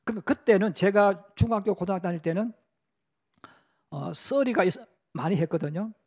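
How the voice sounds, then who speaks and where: Korean pastor guy, middle-aged, fairly high voice, preaching in church, does little quote voices in his stories. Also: normal speed, darkish tone. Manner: storytelling with acted quotes, conversational asides. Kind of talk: sermon. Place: church sanctuary.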